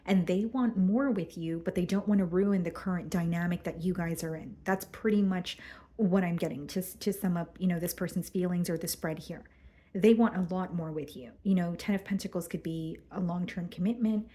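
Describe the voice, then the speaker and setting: A woman's voice: lowish voice, normal speed, warm tone. Tarot reader losing her voice. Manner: careful, hesitant, repeats words. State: losing her voice, clearing throat. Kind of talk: tarot reading.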